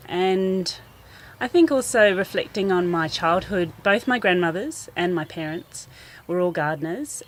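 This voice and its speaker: Low-voiced New woman, earnest. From New Zealand. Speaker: school garden teacher. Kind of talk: radio interview, outdoor. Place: school garden outdoors.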